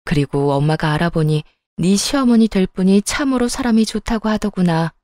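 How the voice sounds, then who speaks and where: A woman's voice: medium pitch, normal speed, no room sound, clean studio sound, lightly acted. Woman reading as a caring middle-aged mother. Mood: reassuring. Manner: calm, reassuring.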